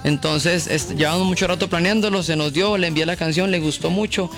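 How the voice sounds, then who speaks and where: A man's voice: fairly high pitch, brisk, over music. A man from Colombia, a singer guest, chatting casually and openly, often restarting his sentences. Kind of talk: casual chat.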